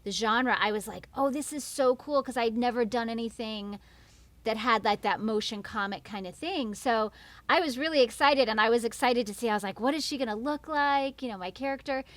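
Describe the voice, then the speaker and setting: An American woman with a fairly high voice chats as an interview guest. She is expressive and enthusiastic, and the sound is dry with no room echo. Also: fairly quick. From New York. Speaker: guest, voice actor. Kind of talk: casual interview chat.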